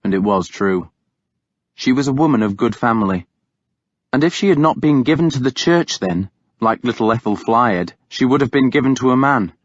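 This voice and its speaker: A man narrating a novel in the first person with a dramatic, deliberate delivery. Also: medium pitch, expressive, no echo, lo-fi sound. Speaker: audiobook narrator.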